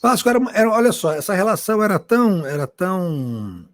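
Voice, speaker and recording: Guy with a high voice, dry close sound, fired up, keeps restarting his sentences. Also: very animated, brisk, no room sound. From Brazil. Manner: passionate, many restarts and repeated words. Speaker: journalist guest. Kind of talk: interview answer.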